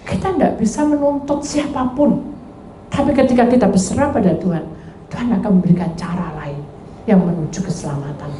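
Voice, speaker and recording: A woman pastor, preaching a sermon and telling her own story, acting out conversations and calling out to the congregation. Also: fairly high pitch. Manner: animated storytelling, acting out dialogues, addresses congregation. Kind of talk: sermon with testimony. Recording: echoey room with faint background noise.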